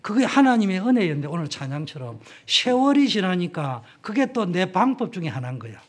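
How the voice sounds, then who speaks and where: The speaker is a middle-aged South Korean pastor with a Gyeongsang accent, preaching a little fast in a high voice full of big pitch swings. He keeps things frank and conversational, dramatizing the dialogue in his stories with sudden loudness.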